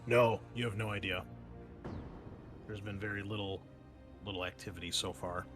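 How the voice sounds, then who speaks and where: A man's voice: lowish voice, fairly even intonation, normal speed, music in the background. A man running a tabletop game as game master, explaining the scene conversationally in a hesitant, piece-by-piece way. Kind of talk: improvised tabletop game narration and chat.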